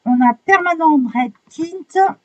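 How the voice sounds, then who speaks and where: A woman chatting casually while unboxing art supplies, excitable, swearing lightly and apologizing often. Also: very high-pitched, slow pace, lo-fi sound.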